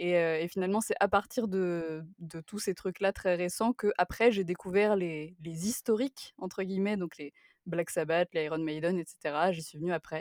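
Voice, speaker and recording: In a normal speaking voice, a woman talks at a fairly slow pace with ordinary pitch variation, the recording very clean with a silent background and a dry, close sound with no echo. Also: fairly low pitch for a woman. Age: 20s. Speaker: music journalist. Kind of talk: casual chat.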